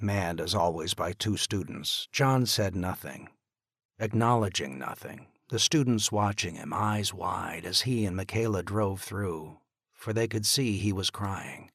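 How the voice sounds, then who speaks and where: A man narrating an audiobook in slow, steady storytelling. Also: sits low, no room sound, studio quality.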